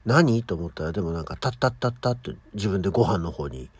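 A middle-aged man hosts a casual solo morning talk show in a low, husky voice. His pitch swings widely as he chats with animated, high-energy storytelling, and the sound is close and dry. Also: quick pace, no room sound. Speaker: podcast host.

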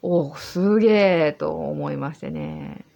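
A tipsy woman with a Kansai accent rambles cheerfully through her solo podcast. Her voice has a gravelly edge, and her pitch swoops up and down as she talks. She speaks casually from a room in an old house. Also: wildly swooping pitch, slow pace, mellow, dull audio. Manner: chatty, rambling, easygoing. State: tipsy from drinking. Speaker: podcast host.

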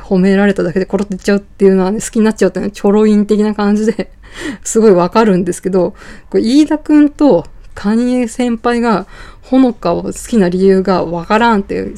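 A woman around forty hosting her solo podcast in casual chat, chatty and full of filler pauses. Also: mid-range voice, gravelly, warm tone. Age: 40s. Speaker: podcast host.

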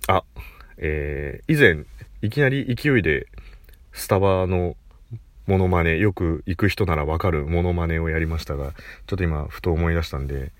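Host, male, very low voice with wide swings in pitch, casual solo chat, self-amused, dry close recording. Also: moderate pace, no echo. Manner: animated, chatty, laughs at himself. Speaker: podcast host.

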